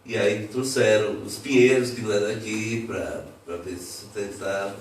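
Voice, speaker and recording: A man's voice: fairly low pitch, fairly even intonation, normal speed, a little hiss or hum. A man with a Brazilian Portuguese accent, a cordel poet, chatting casually and often repeating words as he thinks. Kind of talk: casual conversation. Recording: echoey room, mic far off.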